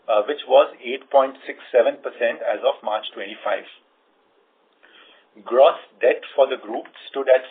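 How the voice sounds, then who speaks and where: Husky Indian man on a phone line. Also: medium pitch. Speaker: company executive presenting financial results. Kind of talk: formal scripted earnings report. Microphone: conference call line. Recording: muffled phone-like conference call line.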